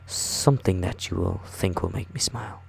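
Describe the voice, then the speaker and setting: A man voicing a gentle, courtly French nobleman, fatherly and wise, speaking softly in measured phrases. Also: deep voice, gravelly, slightly rough, heavily acted. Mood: fond.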